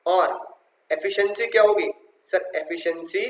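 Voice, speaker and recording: Man, lively teacher, repeats key lines, high pitch, echoey room sound. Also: a little slow. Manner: animated, playful, repeats phrases and calls students "munna". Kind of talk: energetic classroom lecture. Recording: roomy echo.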